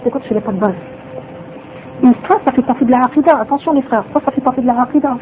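A woman's voice: high voice, fast, darkish tone, a little hiss or hum. A woman teaching a religious lesson who repeats her phrases and asks rhetorical questions, on a dull lo-fi recording.

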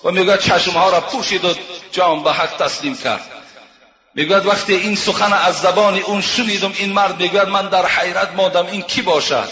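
High, bright-voiced male preacher, echoey hall. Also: steady tone. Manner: retells tales, repeating "he says" often. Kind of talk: sermon with storytelling. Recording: echoey hall with long reverb, dull lo-fi sound.

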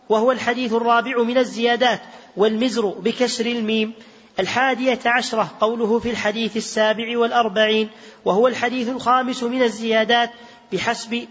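A man reading a text aloud to his teacher in a steady recitation, correcting his own slips now and then. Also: very high-pitched. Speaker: student reader. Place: large mosque hall. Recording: reverberant hall, dull lo-fi sound.

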